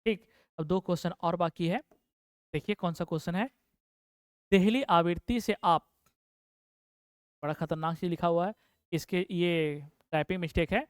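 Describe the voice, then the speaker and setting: This high-voiced male teacher runs a physics board-exam prep class, firing questions at students only to answer them himself. When key terms come up, he repeats them slowly for dictation. His smooth, clear delivery is captured close and dry, without echo.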